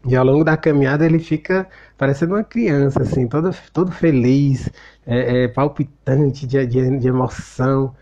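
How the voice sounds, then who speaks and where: A man's voice: medium pitch, steady tone, normal speed, dark tone. Man, Brazilian Portuguese accent, casual book commentary, reflective storyteller, slightly dull lo-fi audio.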